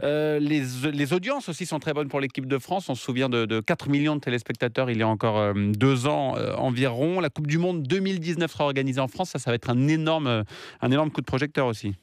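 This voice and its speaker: Smooth-voiced male radio interviewer. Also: mid-range voice, a little fast, no room sound.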